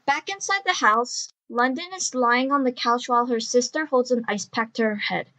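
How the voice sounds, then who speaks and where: A woman narrates an audio drama from a script. Her voice is fairly high as she describes the scene. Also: normal speed, sharp tone.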